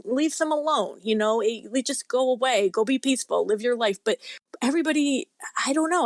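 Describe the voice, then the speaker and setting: A woman's voice: fairly high pitch, no room sound, studio quality. A woman speaking as a guest author in a casual interview, talking in an earnest, rambling, tentative way.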